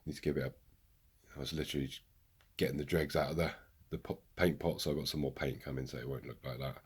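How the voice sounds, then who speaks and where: This man has a very deep, slightly rough voice, steady in tone and quick in delivery. He talks casually about the progress on his model railway from his hobby room, captured on a camera mic, joking at his own expense and wandering off into asides.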